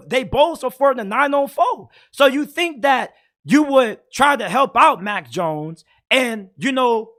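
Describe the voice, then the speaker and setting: A man with a raspy, hoarse voice hosts casual sports talk in a strikingly high register. His tone is bright and sharp, and his delivery is blunt and opinionated, quick to get heated. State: hoarse from yelling. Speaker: sports commentator host.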